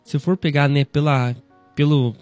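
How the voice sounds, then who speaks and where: A man in his thirties with a Brazilian Portuguese accent, hosting a devotional radio talk in a conversational, gently preaching way, often tagging lines with "né". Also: a little high, steady tone, moderate pace, no room sound, soft background music. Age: 30s.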